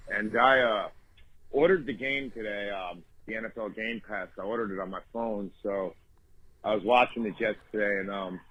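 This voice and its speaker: Husky caller on a voicemail. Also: male voice, lowish voice, fairly even intonation. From Long Island, New York. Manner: hesitant, halting with repeated restarts. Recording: dull, lo-fi phone voicemail.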